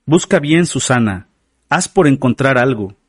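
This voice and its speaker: A man's voice: mid-range voice, animated, measured pace, husky, no echo, studio quality. A man voicing a stern father in an audiobook, giving insistent, commanding orders. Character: stern insistent father urging his daughter.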